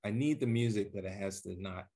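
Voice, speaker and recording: A man interviewing an author over a video call from his home office, asking thoughtful, halting questions. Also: on the low side, warm tone, husky. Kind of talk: conversational interview.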